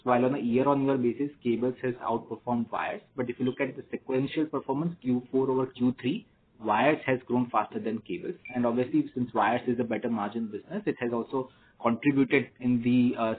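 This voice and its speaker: A man with an Indian accent, a company executive giving measured, formal answers to analysts on an earnings call. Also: mid-range voice, breathy edge. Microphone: conference phone call. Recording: tinny phone line with noise.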